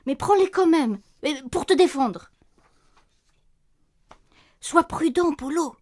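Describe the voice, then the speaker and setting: An actress playing an anxious, insistent wife in a radio play, fretting over noises at night. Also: female voice, high voice, expressive, slow, darkish tone. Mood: fretful, nagging. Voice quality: insistent, fretful. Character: anxious, insistent wife, worried, sharp-tongued.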